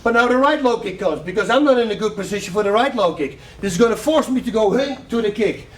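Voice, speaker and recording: Animated man coaching in an echoey gym. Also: high-pitched, quick pace. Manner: animated, counts out combos with punch sounds; shouts cues to students. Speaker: martial arts coach. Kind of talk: teaching a striking class. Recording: roomy, distant, faint gym noise.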